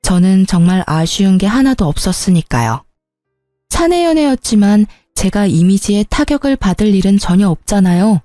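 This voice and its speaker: Warm-voiced woman telling a story. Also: mid-range voice, big pitch swings, moderate pace, dry recording, clean studio sound, soft background music. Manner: indignant, scolding. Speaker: story narrator. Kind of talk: first-person story narration.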